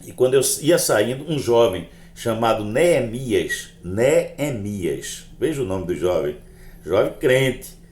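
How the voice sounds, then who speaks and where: A man preaches his own testimony, acting out each conversation in a raised voice. His pitch leaps and falls a lot, and the echo of the room rings around his words. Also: takes it slowly. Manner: animated storytelling, acting out dialogue with raised voice. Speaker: chaplain giving testimony. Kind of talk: sermon-style testimony.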